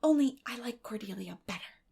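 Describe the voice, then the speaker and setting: A woman voicing an eleven-year-old orphan girl, dramatic and imaginative, with a breathy, effusive, emotional delivery in a storybook reading. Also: fairly high pitch, lively intonation, a little fast, mellow, heavily acted. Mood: eager pleading.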